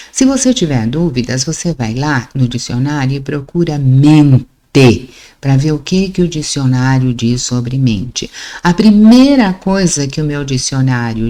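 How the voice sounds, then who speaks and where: A woman speaks at a very deep, low pitch in a dark, mellow tone with lively intonation. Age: 70s. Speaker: spiritual teacher, channel host. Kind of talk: lecture. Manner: didactic, conversational.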